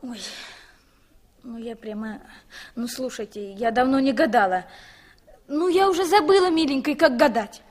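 A woman's voice: high-pitched, expressive, moderate pace, long pauses. An actress playing a talkative, fussy young Gypsy mother in a 1960s Soviet radio play, exclamatory and sing-song, full of repeated endearments. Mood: reluctant, coaxing.

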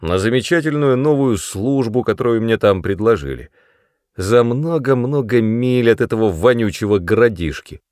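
Narrator plays a brusque, self-important young brother, loud and sharp; dry close read. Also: male voice, mid-range voice, lively intonation, normal speed, no room sound, pitched above the performer's own voice, lightly acted. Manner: sharp, snapping, louder than the narration. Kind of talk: audiobook character voice.

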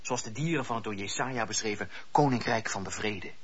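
A man playing a fervent visionary preacher in a Dutch radio play, speaking solemnly and in measured, declamatory phrases with a husky voice. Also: on the low side. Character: fervent, visionary male preacher of faith and miracles. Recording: dull, muffled old radio-play recording.

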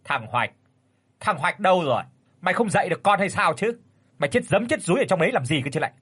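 A man's voice: medium pitch, animated, normal speed, husky. A man voicing a cruel, contemptuous village sorcerer in a spoken horror story. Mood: scornful. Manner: harsh, contemptuous.

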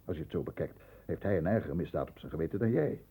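A man acting a stern, proud middle-aged lawyer in a 1960s radio play, speaking with formal, measured diction. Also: low-pitched, expressive, mellow, breathy edge, dry recording, heavily acted. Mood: stern, urgent. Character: stern, proud male lawyer protecting the family name. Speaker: actor in a radio drama. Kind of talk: 1960s Dutch radio play acting, first-person narration and dialogue. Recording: muffled, thin 1960s radio recording.

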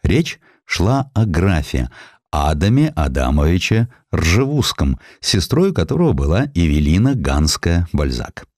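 A man narrating a historical literary audiobook in a measured, expressive, dramatic storytelling manner. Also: low voice, no room sound, clean studio sound.

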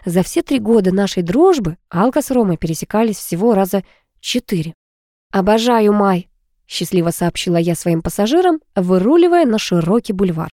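A woman narrating a first-person story aloud, lively and teasing, with expressive dialogue. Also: mid-range voice, brisk, no echo, studio quality. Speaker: audiobook narrator.

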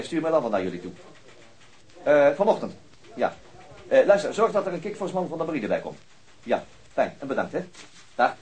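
An actor playing a wry, articulate senior police investigator in a radio crime drama. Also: male voice, mid-range voice, close to an everyday voice. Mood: hurried, urgent.

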